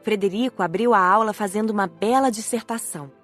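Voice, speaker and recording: A woman with a Brazilian accent reading scripted first-person audiobook narration, measured and carefully enunciated. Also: medium pitch. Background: music bed.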